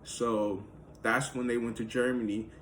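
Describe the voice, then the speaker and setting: A man's voice: medium pitch, level tone, unhurried, a bit bright, slight background noise. A man talking through history in a loose, casual monologue, full of "like" and "you know" fillers. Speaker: history video host.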